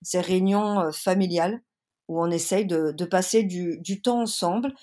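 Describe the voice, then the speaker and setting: A woman's voice: lowish voice, normal speed, warm tone. A woman from France, speaking earnestly and with many hesitations as an interview guest, slightly under the weather with a cold. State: has a cold. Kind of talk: casual interview.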